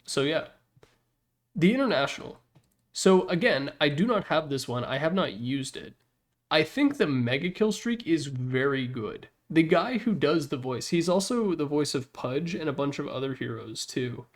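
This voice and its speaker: A man's voice: a little high, animated, moderate pace. A man giving casual, opinionated commentary in an informal, blunt way, as a gaming content creator.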